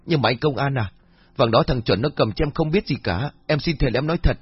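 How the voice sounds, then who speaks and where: A man's voice: medium pitch, fast, breathy edge, no room sound, muffled recording, pitched above the performer's own voice. A man voicing a frightened young village man who begs and swears oaths, in a storybook reading. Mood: pleading. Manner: wailing, begging, swearing oaths.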